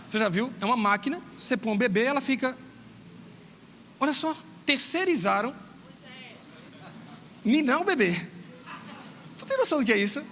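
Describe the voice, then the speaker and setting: A man's voice: very high voice, sharp tone, long reverb tail, slight background noise. A man preaching a sermon to a congregation, telling stories, acting out dialogue and speaking directly to his listeners. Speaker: pastor and schoolteacher. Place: church sanctuary.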